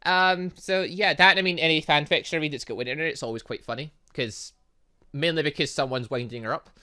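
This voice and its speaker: A man's voice: fairly high pitch, fairly quick, sharp tone, smooth. A man doing casual let's play commentary, rambling and reacting aloud as he plays. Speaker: gaming channel host.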